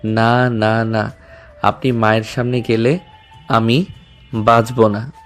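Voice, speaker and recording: A man voices a shy, flustered young man in an audio love story. He talks slowly and haltingly, breaking his lines into pieces. Faint music runs underneath. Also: mid-range voice, flat delivery, natural voice. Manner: hesitant, halting speech. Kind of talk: audio drama acting.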